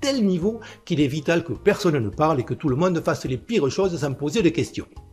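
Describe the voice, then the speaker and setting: Music plays behind a fairly quick voice whose pitch swings very widely. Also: man. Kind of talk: political commentary monologue.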